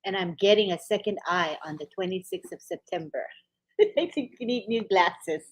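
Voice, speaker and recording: A woman's voice: on the low side, normal speed, low-quality recording. An older woman co-hosting a casual live-stream chat, greeting viewers in a friendly way and laughing easily.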